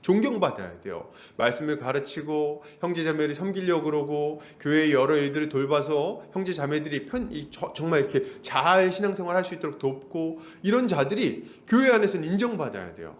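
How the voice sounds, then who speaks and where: A pastor delivering an expository sermon, acting out quoted complaints in a raised voice. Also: male voice, a little high, animated, fairly quick, few pauses. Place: church sanctuary. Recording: echoey church hall.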